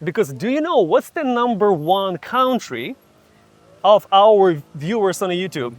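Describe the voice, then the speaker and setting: A man from Ukraine, chatting casually and explaining things slowly while he walks outdoors, laughing often. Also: high voice, big pitch swings. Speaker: vlogger and English tutor. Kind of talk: casual chat while walking. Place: outdoors in a city street.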